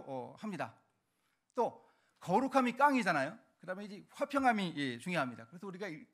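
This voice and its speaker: Preaching in the church sanctuary, this middle-aged pastor speaks in a voice that sits high. He addresses his congregation with energy and emphasis, occasionally raising it to a shout.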